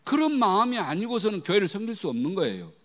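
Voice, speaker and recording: A middle-aged man preaching a sermon as a guest pastor, telling stories animatedly and acting out the voices he quotes. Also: quick pace. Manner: animated storytelling, acting out quoted voices with big pitch jumps. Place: church sanctuary. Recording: long hall reverb.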